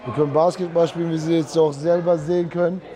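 A man's voice: fairly high pitch, level tone, fast, crowd noise. A man in his thirties talking plainly and openly in an interview. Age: 30s.

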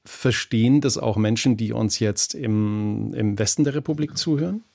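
A man hosting a radio talk show, interviewing in a relaxed, friendly way. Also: on the low side, normal speed, creaky. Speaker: radio host.

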